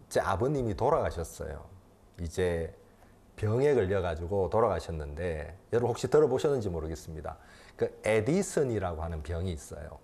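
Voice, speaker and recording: A man in his fifties, a pastor preaching a sermon, swinging from loud emphatic lines to quiet intimate ones and repeating phrases for emphasis. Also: lowish voice.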